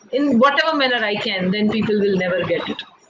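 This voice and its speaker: A woman talks at a fairly quick pace with ordinary pitch variation. There is audible room echo and noticeable background noise. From India, Gujarat. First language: Gujarati. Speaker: public speaking trainer. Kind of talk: live Q&A session. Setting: online live stream. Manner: code-switching Hindi and English.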